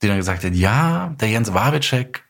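Male interview guest, middle-aged, low slightly rough voice, casual storyteller who voices quoted lines. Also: sing-song, normal speed, a bit bright. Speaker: guest, audio drama writer and director.

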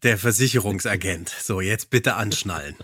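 A man hosting a podcast in a casual, enthusiastic way, with a husky voice close to the microphone. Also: lowish voice, normal speed, a bit bright, no room sound. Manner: enthusiastic, chuckles through his remarks. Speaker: podcast host. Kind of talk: casual chat and episode recap.

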